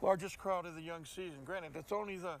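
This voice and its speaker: A man's voice: high-pitched, fairly even intonation, fairly quick. An older American man, a play-by-play announcer, talking sports as a co-host and repeating words for emphasis. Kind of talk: sports commentary chat. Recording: faint ambient background noise.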